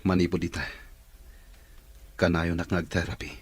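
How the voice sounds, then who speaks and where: Male actor as proud convalescing boss, deep, rough-edged husky voice, Filipino Ilocano accent, audio drama. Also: completely flat delivery, moderate pace. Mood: resolved. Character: proud male boss relearning to walk in therapy.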